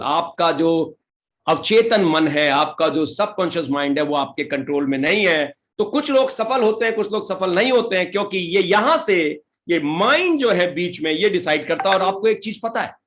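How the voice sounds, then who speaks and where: A man with an Indian English accent giving a motivational seminar talk as a direct selling leader. He speaks slow, deliberate English, switches into rapid Hindi, and rallies his audience with questions. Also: high-pitched, fairly bright tone.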